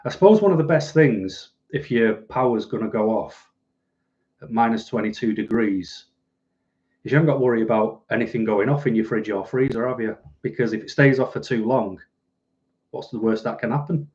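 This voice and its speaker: A man with a softened Mancunian accent chatting casually on a livestream to his viewers, rambling along in a dry, sardonic way. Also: medium pitch, normal speed, muffled recording. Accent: Mancunian, softened northern English. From northern England, Manchester. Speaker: livestream host. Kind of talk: casual livestream chat, reading out and answering viewers' comments.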